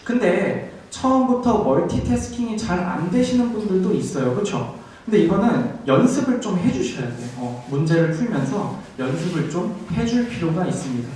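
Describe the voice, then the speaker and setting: A man's voice: high voice, big pitch swings, moderate pace, a little mellow. A Korean man lecturing in an echoey classroom. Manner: explains step by step, often checks in with the class. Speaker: TOEIC instructor. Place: classroom in a language school. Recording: echoey classroom, distant camera mic, faint hiss.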